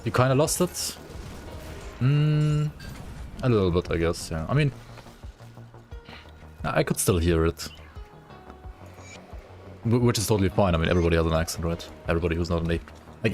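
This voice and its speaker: A man's voice: sits low, fairly quick, pauses often, darkish tone, soft background music. A man streaming a game, chatting casually and rambling with his viewers as he thinks aloud. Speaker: gaming livestreamer. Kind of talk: casual chat with viewers while gaming.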